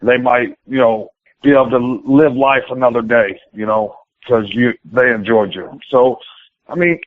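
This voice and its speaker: Tinny, phone-like radio audio captures a pro wrestler in a casual interview as he rambles in plain, colloquial, at times profane speech. He talks at a measured pace in a medium-pitched voice, and the recording is dry.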